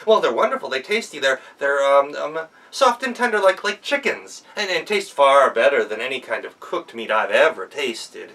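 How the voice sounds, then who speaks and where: A man's voice: mid-range voice, very animated, normal speed, hardly any pauses, fairly bright tone, far from the mic. A man voicing a clever, polite young girl in a storybook tale, hesitant and feigning innocence. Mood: tempting. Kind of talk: storybook character voice.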